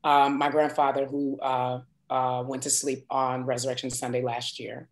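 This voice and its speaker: A woman in her forties from New York, a singer chatting as a guest in an interview and telling stories in an expressive, emphatic way. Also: a bass voice, normal speed. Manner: warm, expressive storyteller with emphatic asides. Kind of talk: casual interview chat.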